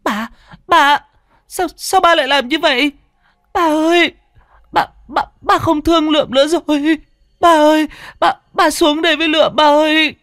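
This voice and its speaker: A man voicing a young boy who stammers in a high, tearful voice. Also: expressive, unhurried, darkish tone, no echo, clean studio sound. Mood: wailing. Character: frightened young boy, desperate for his dad.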